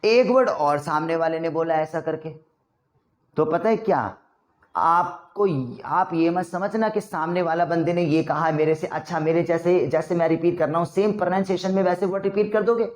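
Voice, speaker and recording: A man's voice: fairly high pitch, moderate pace. A young man with an Indian accent giving a casual spoken lesson on job interviews, acting out both sides of the exchanges. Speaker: interview trainer.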